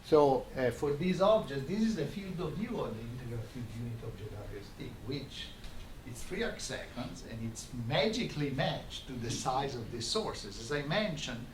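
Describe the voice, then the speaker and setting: A man's voice: medium pitch, very animated, moderate pace. Echoey, distant male academic lecturer. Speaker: astrophysicist giving a colloquium talk. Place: lecture room, recorded from a distance. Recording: echoey, distant microphone, clearly noisy room.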